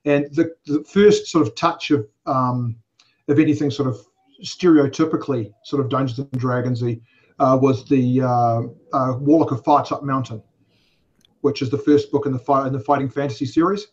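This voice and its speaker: A man's voice: medium pitch, steady tone, normal speed. A man in his forties from England, raised in New Zealand, with an English accent tinged by New Zealand, talking as a guest in a casual podcast interview, rambling with many fillers and wry asides. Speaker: convention organizer, guest. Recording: dull lo-fi podcast audio.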